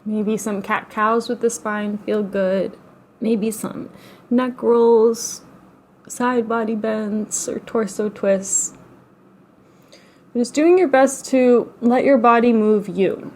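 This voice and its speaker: Woman gently guiding a slow meditation. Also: a little high, steady tone, a little hiss or hum. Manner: gentle, unhurried, soothing with long pauses. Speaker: guided relaxation and meditation teacher. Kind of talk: guided meditation, slow instruction.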